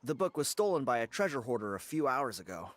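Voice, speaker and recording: An actor playing a friendly, upbeat young tribesman in a video game, talking warmly and enthusiastically. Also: mid-range voice, big pitch swings, quick pace, no room sound, close to an everyday voice. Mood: enthusiastic. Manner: warm and enthusiastic.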